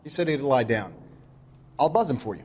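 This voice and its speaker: A man's voice: medium pitch, expressive, moderate pace, a little hiss or hum, natural voice. An actor playing a polite, uneasy jewelry store clerk in a video game, with a deferential salesman's manner. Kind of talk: dramatic video game acting.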